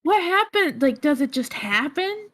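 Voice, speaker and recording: A woman chats casually as a player in a tabletop roleplaying game. Her voice is high and her pace unhurried, halting as she repeats words. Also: very animated, fairly bright tone. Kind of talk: casual in-character improvised chat.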